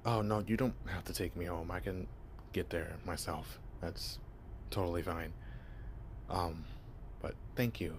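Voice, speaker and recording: A bashful young vampire stumbles over his words, deep-voiced and unhurried as he fumbles through a cover story, played by a young man. The delivery is awkward and hesitant, full of nervous restarts. A faint hiss sits under the ASMR audio. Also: steady tone. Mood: flustered, awkward. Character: shy, clueless young male vampire posing as human. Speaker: voice actor.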